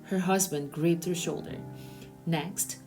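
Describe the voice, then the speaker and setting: A woman reads a children's novel aloud as its narrator. Her voice sits a little low, with soft music playing behind it. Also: fairly even intonation, slow pace, rough recording.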